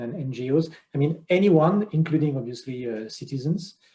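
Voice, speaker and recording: A man speaks with a French accent at a moderate pace. His tone is dark and mellow, somewhat breathy. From France, rural farm. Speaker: circular economy expert. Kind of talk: panel interview. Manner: hesitant, many fillers.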